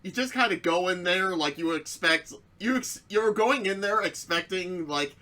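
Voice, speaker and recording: A woman's voice: fairly low pitch, lively intonation, normal speed, sharp tone. A woman giving a theatrical comedic reading of fan fiction as narrator, with casual banter.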